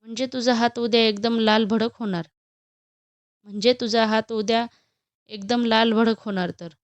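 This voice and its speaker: A woman's voice: on the high side, fairly even intonation, normal speed, dry recording, lo-fi sound, natural voice. A woman voicing a nervous, flustered young female employee in a storybook, speaking hesitantly and stammering. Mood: teasing.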